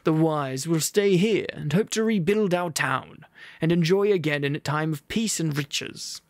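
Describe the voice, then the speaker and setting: A man voicing a posh, obnoxious male town master who speechifies loudly and haughtily. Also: a little high, no echo, clean studio sound. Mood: haughty. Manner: loud, haughty, drawn-out speechifying.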